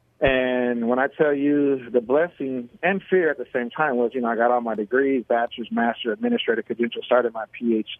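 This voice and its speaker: A man talks at a fairly quick pace with hardly any pauses, in an ordinary speaking voice. His pitch is medium, with ordinary variation. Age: 40s. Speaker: financial services marketer and ministry leader. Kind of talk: testimony.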